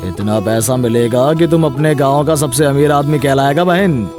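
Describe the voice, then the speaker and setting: A man voicing an excitable, awestruck village jeweller in an animated Hindi moral story, with drawn-out exclamations. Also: mid-range voice, over music, natural voice. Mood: pleased, expansive.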